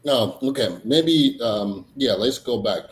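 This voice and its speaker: A man from Tanzania, a comedian chatting casually as a guest, halting, with many fillers and restarts. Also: medium pitch, expressive. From Tanzania, East Africa. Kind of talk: casual interview chat. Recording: echoey room, faint noise.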